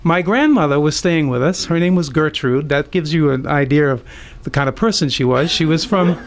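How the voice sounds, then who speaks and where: Radio storyteller: American male, 60s, slightly high-pitched, anecdotal and amused delivery, unscripted. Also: moderate pace. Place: community radio studio.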